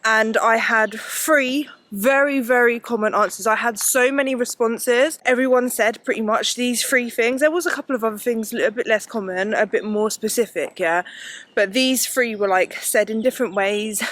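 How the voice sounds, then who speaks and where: A woman's voice: on the high side, moderate pace, a bit bright, no echo. A woman talks to a phone held at arm's length as she walks up a hill outdoors. She chats in a loose, rambling way, packed with fillers, and she is a little out of breath from the climb. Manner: chatty and rambling, many fillers like "like" and "yeah". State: out of breath walking uphill. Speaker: vlogger. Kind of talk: casual chat while walking.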